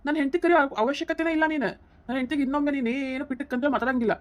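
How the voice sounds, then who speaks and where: Woman doing a young husband guy, north karnataka kannada accent, scolding nonstop, rapid fire, slightly high. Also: close to an everyday voice. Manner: scolding, insistent, lecturing. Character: heated young husband defending his wife against his mother.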